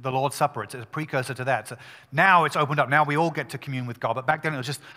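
Bright-voiced male pastor at a pulpit microphone. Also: medium pitch, big-room sound. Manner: conversational, emphatic preaching with quick restarts. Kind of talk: sermon.

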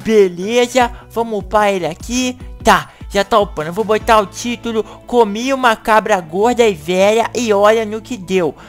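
A woman hosting a gaming channel, acting in a comedic video-game animation with an excitable, whiny way of talking. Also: mid-range voice, soft background music. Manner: excitable, whiny, fast bursts.

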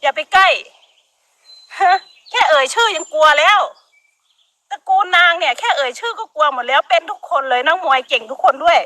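A woman's voice: high voice, animated, a little fast, sharp tone, no room sound. A middle-aged woman with a Northeastern Thai Isan accent, ranting emphatically during a casual live stream. She scolds and laughs often.

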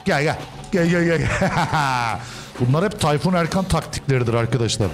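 Lively, jokey man gaming. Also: moderate pace, faint music behind. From Turkey. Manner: joking, talks back to game characters; swings between loud outbursts and low mutters. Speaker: gaming video host. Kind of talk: casual gameplay commentary.

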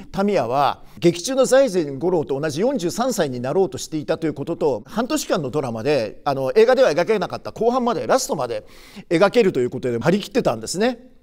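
A man in his sixties talks through film history as a show host, in a casual, explaining manner full of small filler pauses. His voice sits a little high and swings widely in pitch, which keeps the commentary lively.

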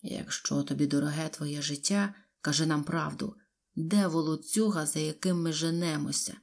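A woman voicing a brutal, red-faced male officer with a rough voice, who gives slow, menacing orders in an audiobook. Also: on the high side.

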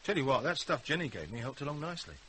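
An actor playing an amiable, easygoing man helping a troubled household, casual and gently teasing, in a naturalistic radio drama. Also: mid-range voice, very animated, very fast. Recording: hissy radio drama recording.

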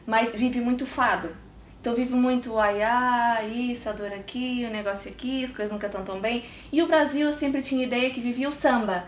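Interview guest: woman, 30s, European Portuguese accent, expressive storyteller; lapel mic, slight room echo. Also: a little high, a little hiss or hum. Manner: expressive, talks with her hands. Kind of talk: personal story in a sit-down interview. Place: bright studio set with sofa and shelves.

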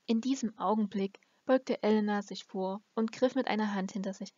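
A woman's voice: medium pitch, normal speed, a little mellow, no echo. A woman reading a fantasy novel aloud as an amateur audiobook narrator. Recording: dull, lo-fi close recording.

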